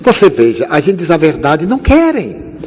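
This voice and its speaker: A man's voice: a little high, huge pitch swings, normal speed, a little mellow. A man from Bahia, giving a storytelling talk to an audience and acting out every character. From Bahia, Brazil. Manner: theatrical, acts out every character. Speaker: spiritist speaker. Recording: echoey hall, faint hiss.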